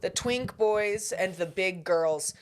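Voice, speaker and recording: A woman with a deep voice for a woman, co-hosting a podcast in a joking, animated way. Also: slow, slight background noise. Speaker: podcast co-host. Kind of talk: casual chat.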